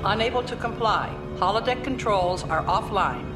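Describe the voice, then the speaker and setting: A calm ship computer voice, female and mid-pitched, reporting status in a level, emotionless tone. It is unhurried and detached, like the onboard computer of a science-fiction series. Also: loud music behind the voice. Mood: calm, flat. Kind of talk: television science-fiction drama.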